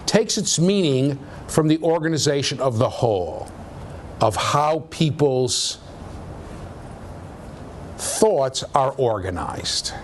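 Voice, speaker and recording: Lively low-voiced male lecturer. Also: slow pace, pauses often, a little hiss or hum. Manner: conversational, checks understanding with frequent "okay?". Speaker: university lecturer. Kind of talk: classroom lecture. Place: lecture room.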